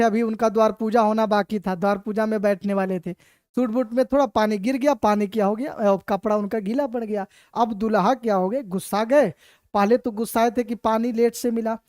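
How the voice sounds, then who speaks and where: A woman's voice: a little high, dry recording, studio quality. Woman teaching through a story. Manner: lively, dramatizing, repeats mnemonic phrases. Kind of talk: storytelling lesson.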